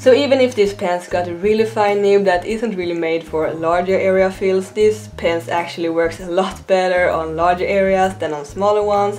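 A woman of medium pitch with a non-native accent, a moderate pace, hardly any pauses, and noticeable background noise. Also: ordinary pitch variation. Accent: non-native English, says 'cheap' like 'sheep'. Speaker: artist. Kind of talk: casual art tutorial voice-over.

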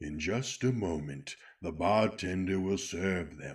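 In a put-on character voice, a man speaks at a very deep, low pitch and a fairly slow pace, on a very clean recording with a silent background. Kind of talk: audio drama narration.

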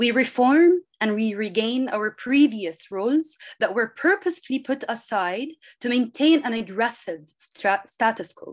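A woman's fairly high voice at a fairly slow pace, with lively intonation over a quiet background. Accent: Arabic. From Palestine (West Bank). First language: Arabic. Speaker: clinical therapist; speaker. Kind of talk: panel presentation. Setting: video call. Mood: earnest, serious. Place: home room. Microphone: video call.

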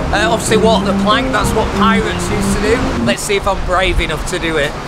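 A man's very fast speech with ordinary pitch variation and music in the background. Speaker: travel vlogger. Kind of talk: casual vlog chat. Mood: nervous, excited. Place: boat. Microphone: phone near.

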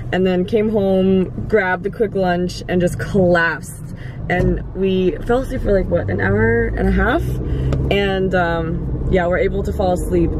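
A woman at a very even loudness, in a dry sound with no echo, with noticeable background noise. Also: fairly slow pace. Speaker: vlogger. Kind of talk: casual vlog chat. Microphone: phone near.

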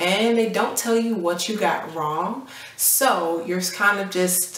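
Audible room echo surrounds a woman speaking at a fairly slow pace with ordinary pitch variation. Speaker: new real estate agent vlogger. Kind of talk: casual vlog chat. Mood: excited, celebratory.

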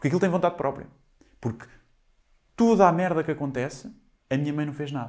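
A man speaks in a European Portuguese accent at a fairly high pitch. His intonation is lively, and the background is quiet. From Portugal. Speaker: stand-up comedian. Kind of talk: stand-up comedy. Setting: remote online event, no live audience. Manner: rapid, conversational, punchline-driven, animated. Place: studio.

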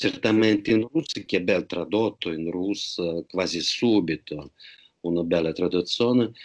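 Against a quiet background, a man with a very deep, low voice speaks fairly slowly, with ordinary pitch variation. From Russia, St Petersburg; Russia. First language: Russian (speaking Italian). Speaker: historian; guest. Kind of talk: interview; interview answer. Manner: halting. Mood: calm, reminiscing. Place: home room. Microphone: video call.

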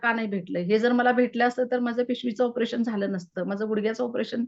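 In an ordinary speaking voice, a woman speaks at a fairly high pitch with fairly even intonation. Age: 40s. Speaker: shop owner sharing a nutrition testimonial. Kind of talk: testimony.

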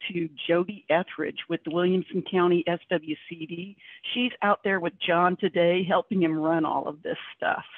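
A woman speaks in a plain, everyday voice at a fairly low pitch and moderate pace, with ordinary pitch variation. The sound is dry with no echo, over a quiet background. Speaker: webinar host. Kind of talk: introduction of a guest speaker. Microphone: video call.

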